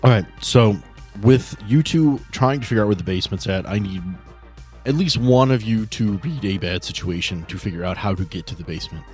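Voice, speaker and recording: A man's voice: fairly low pitch, expressive, a little fast, a little mellow, soft background music. A man hosting and narrating a tabletop game in a playful, conversational way as he sets scenes. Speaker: host and game master.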